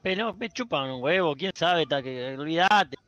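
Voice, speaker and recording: A man with an Argentine accent, playing an opponent in a game role-play, talking in quick, animated bursts and taunting. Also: on the high side, highs cut off. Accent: Argentine Spanish. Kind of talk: game voice chat.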